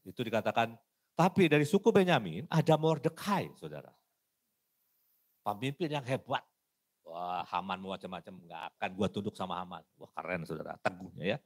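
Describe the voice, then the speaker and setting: A man with an Indonesian accent preaching a sermon, switching between loud emphasis and quiet asides and acting out little dialogues. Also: fairly low pitch, expressive, moderate pace, dry recording. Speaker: evangelist preacher.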